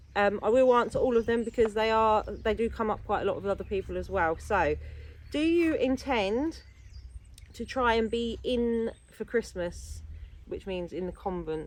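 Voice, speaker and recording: A woman talks at a moderate pace. She has a strong Kentish accent. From England, Kent. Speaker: vlogger. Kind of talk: casual Q&A vlog. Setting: outdoors with horses. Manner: casual, halting with fillers.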